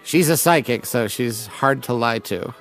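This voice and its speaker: A man's voice: medium pitch, measured pace, soft background music, natural voice. An actor playing a hapless, good-humoured man on a café date in an audio comedy, with a wry, self-deprecating, joking manner. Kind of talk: audio drama comedy acting, conversational.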